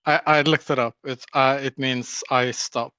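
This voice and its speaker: Man, co-host, slow hesitant speech, smooth bright voice, dry sound. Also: mid-range voice, fairly even intonation, no echo. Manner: hesitant, halting, many fillers. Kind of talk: casual chat.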